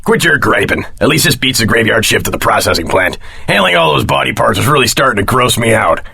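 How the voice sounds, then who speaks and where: A man's voice: medium pitch, expressive, fast talker, creaky, sharp tone, slightly rough, no echo, studio quality, full character voice. A man voicing a weary, gossipy facility guard in a video game, griping in a conspiratorial way. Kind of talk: video game character dialogue.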